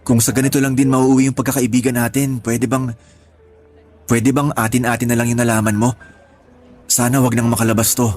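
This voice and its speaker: A man's voice: medium pitch, little pitch movement, brisk, pauses often, a little mellow, faint music behind, lightly acted. A man acting as an apologetic young gay man confessing secret love in a Tagalog radio drama, earnest and pleading, with a Filipino accent.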